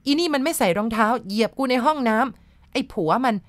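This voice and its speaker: A woman voicing a spiteful ghost possessing a girl, crying out in a rough mannish voice. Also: fairly high pitch, animated, brisk, no echo, pitched above the performer's own voice, lightly acted. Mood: sullen.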